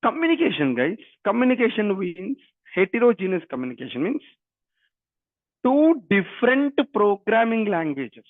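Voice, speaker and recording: A native Telugu speaker from Telangana, with a Telugu Indian English accent, teaches programming in an interactive online lecture, often repeating phrases and questions and addressing students directly. His voice sits high and is sing-song, at normal speed with no echo, over a narrow, phone-like line.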